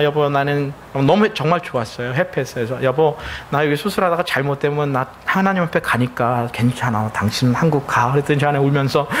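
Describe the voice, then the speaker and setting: A man's voice: a little high, fairly bright tone, slight background noise. A middle-aged man, a missionary preaching a sermon in a church, telling family stories in a conversational way. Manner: conversational, storytelling with family anecdotes. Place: church sanctuary.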